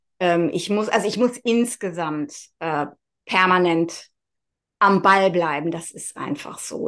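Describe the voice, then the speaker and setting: Over a quiet background, a woman talks in a bright, sharp tone. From western Germany, near Cologne. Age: 50s. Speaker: mother of eight, former lawyer. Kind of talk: interview, personal story.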